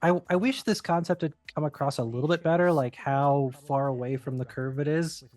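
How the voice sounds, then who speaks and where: Middle-aged man, brisk animated talker, a bit high, film commentary. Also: soft background music. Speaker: filmmaker giving director's commentary. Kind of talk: casual commentary chat.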